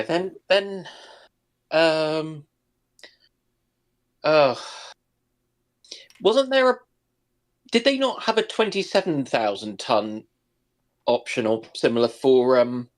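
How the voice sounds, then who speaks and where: A man chatting casually on a livestream call, asking questions in a hesitant, halting way. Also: a little high, lively intonation.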